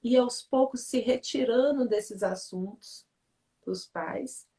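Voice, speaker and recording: Sounding somewhat far from the mic, a woman who writes for readers talks about family relationships during a live conversation, reflective and teacherly, frequently adding "né?". She speaks slowly in a fairly high, warm voice.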